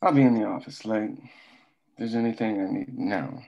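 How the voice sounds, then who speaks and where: A man reading a blunt, guarded man of authority at a screenplay table read, terse and gravelly. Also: on the low side, normal speed, warm tone, dull audio.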